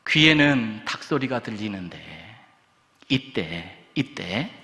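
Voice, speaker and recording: A pastor preaching a sermon, asking the congregation questions and dropping from loud stresses to hushed whispers. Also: male voice, medium pitch. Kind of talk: Sunday sermon. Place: church sanctuary. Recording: echoey church hall.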